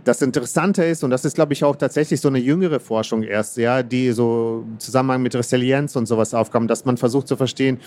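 A man's voice: medium pitch, fairly even intonation, fairly quick, hardly any pauses, darkish tone. A man from Kazakhstan, an author answering interview questions in a thoughtful, hesitant way with many fillers and restarts. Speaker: author guest.

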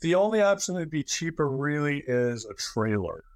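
A man's voice: fairly high pitch, big pitch swings, moderate pace, dry recording. Man in his 60s, renter, matter-of-fact plain talk, dry recording. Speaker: interviewed renter. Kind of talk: interview testimony.

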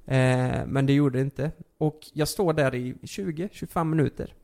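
Young man, gravelly casual storyteller, rambling with fillers, mid-pitched voice. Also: darkish tone. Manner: rambling, many fillers and restarts.

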